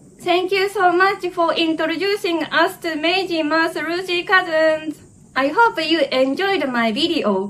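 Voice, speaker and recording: A woman's extremely high voice at a fairly slow pace, lively in intonation, with noticeable background noise. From Japan, Kobe. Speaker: embroidery artist. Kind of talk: show-and-tell monologue.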